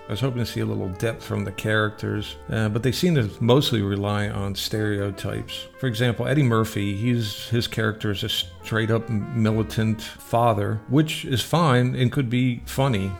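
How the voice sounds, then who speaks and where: A man's voice: lowish voice, creaky. A man hosting a radio show, giving a casual, conversational and opinionated solo film review, partly read from notes.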